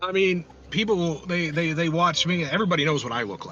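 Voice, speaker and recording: Over music in the background, a man with a high pitch talks at a fairly quick pace with ordinary pitch variation. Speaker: streamer.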